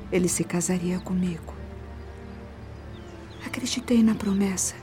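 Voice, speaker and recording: An actress playing a vain, tormented young mistress confessing in a Brazilian radio drama, dramatic and breathy, with a Brazilian accent. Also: female voice, medium pitch, dark tone, lightly acted.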